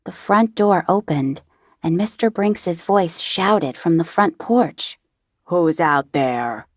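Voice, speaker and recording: Female audiobook narrator, measured and even, very unhurried, dry close-miked booth sound. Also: medium pitch, no room sound. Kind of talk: scripted first-person audiobook narration.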